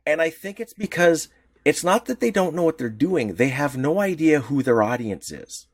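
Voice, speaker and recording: A man co-hosting a podcast in casual chat, opinionated and animated, swearing freely. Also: a little high, normal speed, slightly rough, no echo, clean studio sound. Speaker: podcast co-host.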